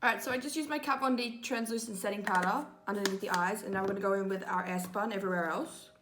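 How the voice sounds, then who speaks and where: A young woman in her twenties giving a casual makeup tutorial, chatty and full of "like" fillers, her voice a little hoarse. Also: medium pitch, steady tone, quick pace, roomy sound, noisy background. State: slightly hoarse, losing her voice. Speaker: makeup vlogger. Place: small indoor room before a grey backdrop.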